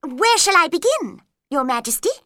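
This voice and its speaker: A fluttery, anxious white rabbit herald, put on by a woman reading a storybook. He talks high and urgently, with a bright, lively lilt. The recording is close and dry. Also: dry recording, exaggerated voice. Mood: hurried. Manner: high and hurried. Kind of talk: storybook character voice.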